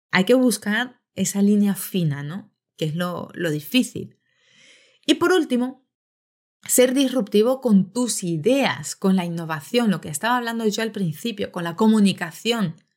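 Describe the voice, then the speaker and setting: A woman with a medium-pitched voice speaks at a fairly slow pace, her tone animated and her intonation lively. The recording is very clean, with a silent background. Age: 30s. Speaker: podcast host on social media branding. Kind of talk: solo podcast monologue.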